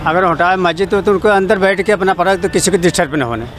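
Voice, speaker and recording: A man's voice: high voice, fast. A man giving his opinion in a street interview, stumbling and repeating words. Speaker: member of the public being interviewed. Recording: clearly noisy outdoor street recording.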